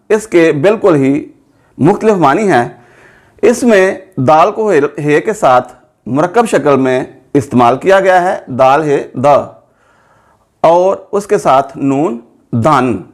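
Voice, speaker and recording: A man with a Pakistani Urdu accent gives a spelling lesson at a very unhurried pace. His voice sits a little high for a man, and he sounds out each letter and stretches the example words so learners can follow. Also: expressive. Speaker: teacher. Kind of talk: slow, methodical spoken lesson.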